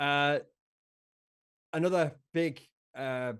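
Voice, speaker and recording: A man speaks with a British accent. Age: 30s. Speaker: soldier and sim racing enthusiast. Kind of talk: casual chat.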